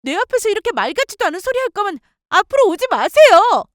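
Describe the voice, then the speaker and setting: Woman doing a fed-up new mom yelling at her in-laws, high and swinging all over, super dry sound. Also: sing-song, quick pace, no room sound. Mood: furious. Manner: sharp, scolding, heated. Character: furious young new mother, woman. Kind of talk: dramatized radio story.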